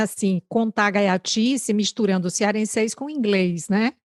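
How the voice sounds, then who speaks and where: Using an ordinary speaking voice, a woman with a fairly high pitch talks at a fairly slow pace in a dry, close sound with no echo. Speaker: podcast host. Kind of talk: casual chat.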